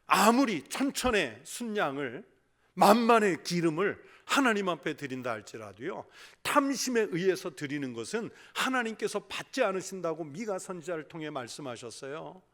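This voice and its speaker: Korean pastor guy preaching, fairly high voice, asks the congregation questions, goes hushed to make a point. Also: big pitch swings, moderate pace. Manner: drops to a hush for emphasis. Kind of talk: sermon.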